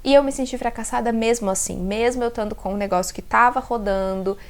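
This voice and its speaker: This woman talks fast in a fairly high voice, her caipira r revealing roots in the interior of São Paulo state, Brazil. In her thirties, she makes self-leadership content, and this casual, reflective vlog to camera is expressive and conversational, with frequent direct appeals to viewers.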